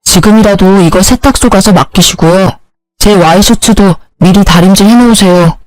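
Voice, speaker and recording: A woman's voice: medium pitch, normal speed, darkish tone, no room sound, faint music behind, close to an everyday voice, low-quality recording. A woman voicing a self-centered young husband who talks in curt, demanding scolds. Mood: bossy.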